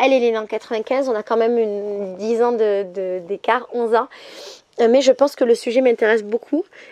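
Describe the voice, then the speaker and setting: Against a quiet background, a woman speaks in a fairly high voice with a dark, mellow tone. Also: moderate pace. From France, banlieue cité, Maghrebi family. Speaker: book and lifestyle youtuber; book reviewer. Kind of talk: casual book review vlog. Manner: animated. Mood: cheerful, enthusiastic. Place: home room.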